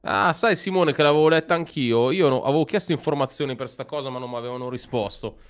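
Relaxed man with a smooth voice. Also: medium pitch, fast talker. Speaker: co-host on the stream. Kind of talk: casual live-stream chat.

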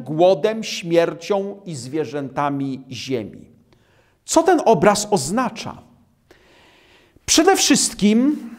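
A man preaching a sermon on scripture in a slow, emphatic way, with dramatic drops in his voice. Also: sits high, a little mellow.

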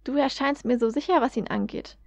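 A woman voicing a caring, attentive middle-aged mother in a read-aloud fan story, speaking softly with a slightly raised voice. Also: high voice, fairly quick, dry recording, pitched above the performer's own voice. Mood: concerned. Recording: dull, dry lo-fi recording.

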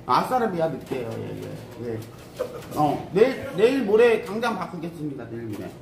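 A woman streamer talking through a mouthful of noodles, her chatty voice swinging lively up and down. She sits well back from the mic in an echoey restaurant room, with a busy crowd chattering behind her. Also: deep voice, normal speed, gravelly, far from the mic. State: talking while eating noodles. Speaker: streamer on a mukbang broadcast. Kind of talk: casual chat while eating. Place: Chinese restaurant.

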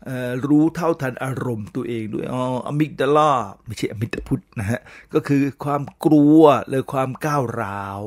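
A man's voice: medium pitch, normal speed, few pauses, a little mellow. An older man hosting a radio talk show, lecturing in an emphatic, preachy way and often asking listeners to agree. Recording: radio broadcast.

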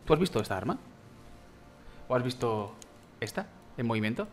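A young man with a Spain Spanish accent doing excitable gameplay commentary, swearing and exclaiming loudly. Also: mid-range voice, normal speed, faint music behind. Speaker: gaming youtuber.

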